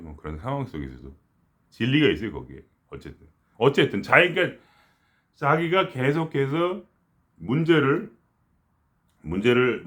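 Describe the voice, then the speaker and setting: This middle-aged spiritual teacher talks casually and rambles in a conversational way. He frequently restarts and drops quiet murmured asides, his pitch fairly low.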